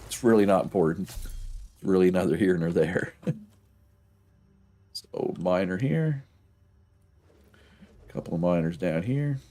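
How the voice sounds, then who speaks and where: Low-pitched and a touch mellow, this male voice belongs to a streamer playing a factory-building game. Congested and quick to chuckle, he muses casually out loud while commenting on his play.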